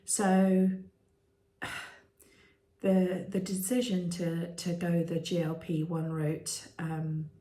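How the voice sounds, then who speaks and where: A British woman in her fifties, vlogging candidly with many ums and restarts and a voice that turns croaky at times. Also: lowish voice, little pitch movement, extremely slow, long pauses, dark tone. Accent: British English. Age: 50s. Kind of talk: candid personal vlog. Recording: echoey room.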